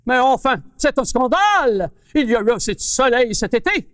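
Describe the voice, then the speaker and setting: A woman's voice: on the high side, big pitch swings, moderate pace, dry recording, studio quality, big-room sound. Woman playing a blustering mushroom colonel. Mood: indignant. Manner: blustering, indignant, talks to children. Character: bossy fussy male mushroom colonel. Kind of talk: children's puppet show.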